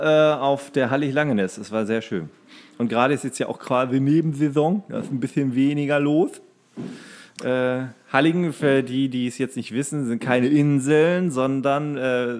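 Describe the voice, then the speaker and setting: A man's voice: mid-range voice, moderate pace. A man who co-hosts a podcast, chatting in a rambling, colloquial, joking way. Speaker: podcast co-host. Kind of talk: casual comedic chat.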